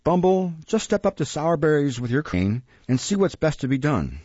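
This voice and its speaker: A man voicing a benign, patronising, self-satisfied gentleman in an audiobook. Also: a little high, very animated, normal speed, husky, no echo, highs cut off, pitched above the performer's own voice. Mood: approving, commanding.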